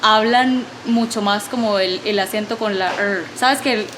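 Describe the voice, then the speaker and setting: A woman's voice: mid-range voice, a little slow, fairly bright tone, poor audio. A nineteen-year-old woman with a Costa Rican accent, chatting casually and laughing outdoors by the coast. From Nicaragua, raised in Costa Rica. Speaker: interviewee. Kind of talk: casual chat. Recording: outdoor noise.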